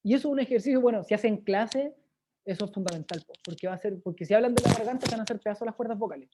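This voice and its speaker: A woman's voice: mid-range voice, rapid-fire, noisy background. A woman with a Chilean accent leading an online workshop on speaking, demonstrating exercises and often checking in with listeners. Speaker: workshop presenter. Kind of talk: lively online workshop teaching. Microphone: video call. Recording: dull lo-fi video call audio.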